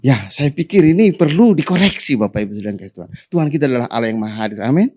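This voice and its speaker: A pastor preaching to his congregation, often calling for amen, rising to sudden high emphatic peaks and dropping to soft endings. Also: very animated, rapid-fire. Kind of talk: sermon.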